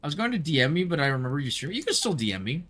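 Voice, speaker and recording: A streamer giving casual live gameplay commentary in an informal, expressive way, with plenty of swearing. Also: mid-range voice, racing. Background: game music.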